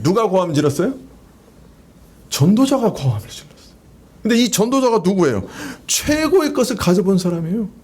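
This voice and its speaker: Korean pastor guy giving a sunday sermon, kinda high voice, keeps asking the congregation questions. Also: a little mellow. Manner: conversational preaching with rhetorical questions to the congregation. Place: church sanctuary.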